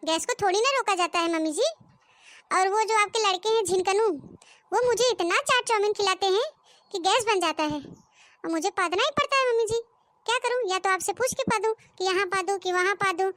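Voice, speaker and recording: Woman doing a cheeky cartoon daughter-in-law, whiny, defiant, bright tense tone, dry sound. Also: very high-pitched, fairly quick, dry recording. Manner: whiny, defiant, sing-song pleading. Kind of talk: comic cartoon voice acting.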